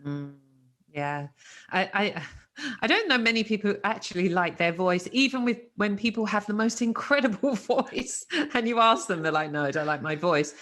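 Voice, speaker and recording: A woman's voice: medium pitch, expressive, normal speed, fairly bright tone. Encouraging woman hosting an interview. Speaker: interview host. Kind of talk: casual interview chat.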